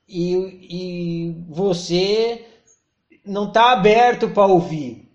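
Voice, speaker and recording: A man, explaining ideas in a thoughtful, reflective talk with frequent restarts. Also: sits high. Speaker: speaker on self-knowledge. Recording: roomy, slightly dull recording.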